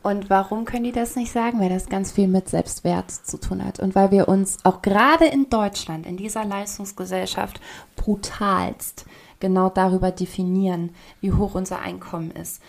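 A woman's voice: mid-range voice, steady tone, normal speed, gravelly. A woman co-hosting a podcast, talking casually and explaining emphatically with rhetorical questions. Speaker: podcast co-host. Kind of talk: casual conversational podcast talk.

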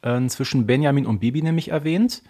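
Man, medium pitch, casual podcast co-host, emphatic and colloquial, opinionated. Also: fairly quick, warm tone.

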